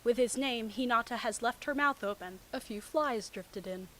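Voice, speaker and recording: A woman's voice: on the high side, normal speed. A woman reading fan fiction aloud and breaking in with sarcastic, exasperated commentary. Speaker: online comedy commentator. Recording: amateur home recording with background static.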